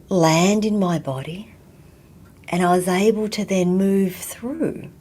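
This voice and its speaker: A woman from Vietnam, raised in Australia, giving a slow, reflective talk and often dropping to a near whisper. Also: lowish voice, darkish tone, breathy edge. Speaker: guest teacher.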